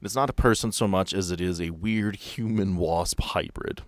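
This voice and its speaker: A man's voice: low voice, moderate pace, no echo. A man improvising casual, playful narration as the game master of a tabletop roleplaying podcast. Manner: playful, conversational.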